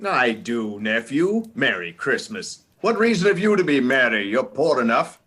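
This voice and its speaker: An actor playing a miserly, scornful old uncle in a radio play, with a curt, grumbling delivery. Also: male voice, medium pitch, very animated, normal speed, fairly bright tone, husky. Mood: scornful, irritable.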